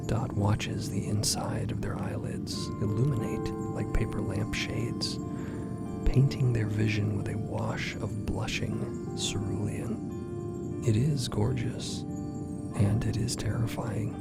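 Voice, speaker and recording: A man's voice: lowish voice, little pitch movement, takes it slowly, vocal fry. A man narrating a scripted drama podcast in a theatrical storytelling style. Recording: loud music under the voice. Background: music.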